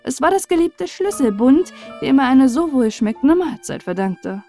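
A woman narrating a fairy tale as a bedtime audiobook, with measured, expressive storyteller delivery. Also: sits high, faint music behind.

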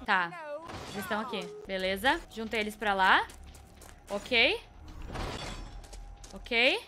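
A young Brazilian woman playing a horror game, jumping between hushed muttering and dramatic shrieks as she talks to her viewers and to the game. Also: medium pitch, expressive, takes it slowly, soft background music. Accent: Brazilian Portuguese. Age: young adult. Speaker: gaming video host. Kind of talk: excited let's-play commentary.

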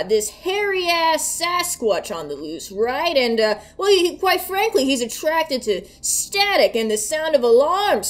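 Woman in her 20s, fairly high pitch, casual reaction commentary, mock-dramatic, sardonic, profane. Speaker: reaction video host. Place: small bedroom, indoors.

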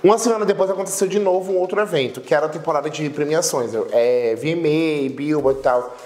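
A man's voice: a little high, fast, faint music behind. A man in his twenties from Salvador with a strong Bahian accent, telling stories in a casual interview. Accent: Bahian Portuguese. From Salvador, Bahia, Brazil. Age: 20s. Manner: animated storytelling, gesturing with his hands. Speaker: guest, internet personality. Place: studio room with a sofa, indoors. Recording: echoey room.

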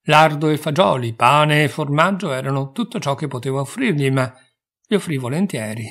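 Man calmly reading old fables. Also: fairly high pitch, normal speed. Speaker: reader of fables. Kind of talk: audiobook fable narration.

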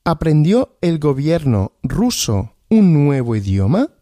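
A man teaching Spanish through a story, asking questions and answering them himself, repeating each answer slowly. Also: a little high, very animated, mellow, dry recording, clean studio sound. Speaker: Spanish teacher, podcast host.

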